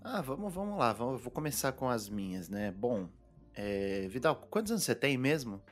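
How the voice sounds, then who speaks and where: A man's voice: mid-range voice, moderate pace, soft background music. Guy in his 20s chatting on a podcast from home, laid back, rambling stories. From Brazil. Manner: relaxed storytelling with many fillers. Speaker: podcast co-host. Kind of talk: casual podcast chat.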